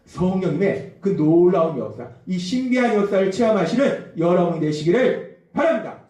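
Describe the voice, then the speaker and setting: A man preaching a Sunday sermon, acting out quoted voices and dropping to a hush at times, recorded from a distance in a church. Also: sits high. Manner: animated, acts out quoted voices, drops to a hush. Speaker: pastor. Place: church sanctuary. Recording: echoey church hall from a distant mic.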